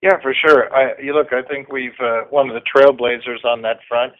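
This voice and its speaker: A man's voice: mid-range voice, fairly even intonation, normal speed. A man, a company executive, giving informal, emphatic business answers and searching for his words. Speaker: company executive on an earnings call. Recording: dull band-limited conference call audio.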